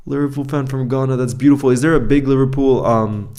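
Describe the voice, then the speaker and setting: His dark, steady, mid-range voice moves at normal speed as he hosts a casual football live stream, reading comments aloud and welcoming viewers by name, frequently repeating himself. He has mixed French and Icelandic roots.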